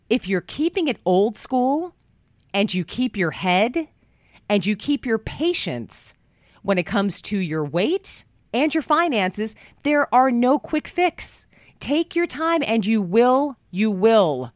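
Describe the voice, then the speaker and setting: A woman hosting a talk radio show from a studio, chatting in a folksy, upbeat way, her voice worn low after travel. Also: sing-song, slow, dry recording. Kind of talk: talk radio monologue with live ad reads. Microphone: studio microphone.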